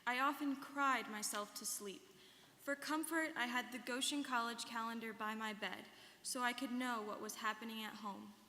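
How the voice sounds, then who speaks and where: A young woman performing a scripted first-person reading as a sincere alumna remembering hardship, with deliberate, projected delivery. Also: a little high, fairly even intonation, pushed and bright. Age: young adult. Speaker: student performer in a dramatic reading. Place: large hall. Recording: reverberant hall.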